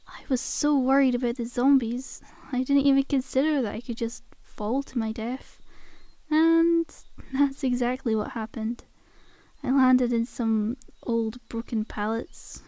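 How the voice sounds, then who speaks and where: A woman's voice: on the high side, warm tone, dry recording, close to an everyday voice. A woman playing a cheeky, cajoling undead zombie girl in an ASMR roleplay, with a casual, teasing, conversational delivery.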